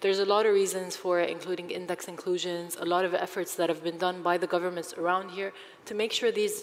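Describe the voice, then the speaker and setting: A woman at a very fast pace, in a monotone, flat intonation, over noticeable background noise. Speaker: financial panelist. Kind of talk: panel discussion.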